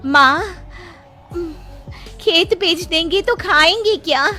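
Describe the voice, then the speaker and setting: A woman's voice: very high-pitched, slow, pushed and bright, soft background music, exaggerated voice. A young woman voicing a determined village daughter-in-law in a cartoon, speaking respectfully and earnestly. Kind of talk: cartoon voice acting.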